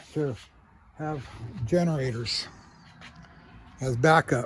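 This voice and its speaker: A man with an American accent, somewhat breathy, with ordinary pitch variation. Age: 60s. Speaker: homesteading vlogger. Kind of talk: casual vlog monologue. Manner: hesitant, with fillers.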